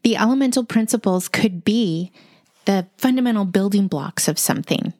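A woman co-hosting a Bible study, discussing scripture conversationally with reflective, measured phrasing. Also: mid-range voice, animated, a little mellow, no echo, studio quality. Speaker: Bible study podcast co-host.

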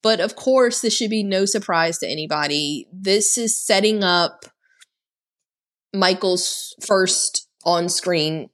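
A woman co-hosts a podcast, recapping a horror movie casually in a chatty, sarcastic way and saying "like" constantly. Her voice sits on the low side, slow and fairly bright.

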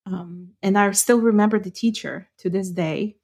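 A woman's voice: mid-range voice, steady tone, normal speed, darkish tone. Middle-aged woman, thoughtful. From Ukraine. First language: Ukrainian. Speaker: podcast co-host. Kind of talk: casual chat.

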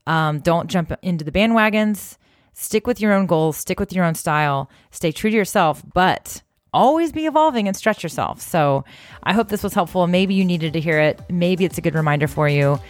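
In a lowish, expressive voice at moderate pace, a woman gives direct-to-camera social media tips, conversational and encouraging, sprinkled with "you know" fillers. The sound is dry with no room tone, and faint music plays behind.

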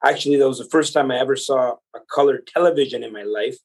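A man in his forties from El Salvador, appearing as a podcast guest, tells his life story in a fast, medium-pitched, slightly rough voice. He's earnest and motivational, speaking directly to the listener in a conversational storytelling style.

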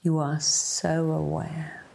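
Slow, low-voiced woman guiding sleep meditation. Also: monotone, gravelly, dark tone. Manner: soothing, deliberate, short phrases with pauses, repetitive. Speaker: meditation guide, hypnotherapy-style narrator.

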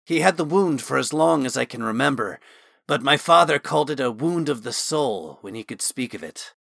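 Guy putting on a stern young warrior, flat and guarded, then snapping into yelling, kinda different tone from the narration. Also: mid-range voice, normal speed, gravelly, dry recording, studio quality. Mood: flat somber. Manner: flat, reserved speech turning to furious shouting. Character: stoic young male warrior, storm-tempered.

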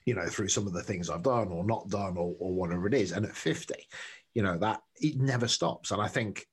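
A man of about fifty talking reflectively with a guest, thoughtful, sometimes laughing softly and trailing off. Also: lowish voice, fairly quick, a little hiss or hum. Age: 50s. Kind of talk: reflective conversation.

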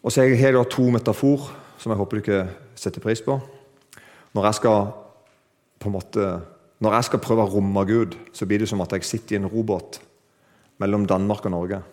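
A man's voice: on the low side, steady tone, a little mellow. A man preaching a sermon to a congregation, chatting with them and asking them questions, joking about himself, then building to emphatic, lifted declarations. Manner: conversational, asks the audience questions, builds to emphatic lifts; self-deprecating humor with laughs.

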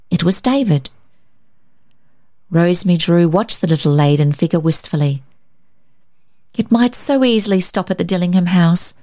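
A woman narrating a story from a script in an expressive storybook style. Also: fairly low pitch. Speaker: story reader.

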